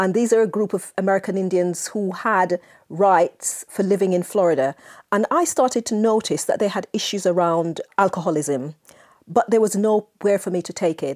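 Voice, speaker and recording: In a Jamaican accent, a woman speaks at medium pitch and a moderate pace with ordinary pitch variation, on a very clean recording with a silent background. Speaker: senior nurse. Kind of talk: interview.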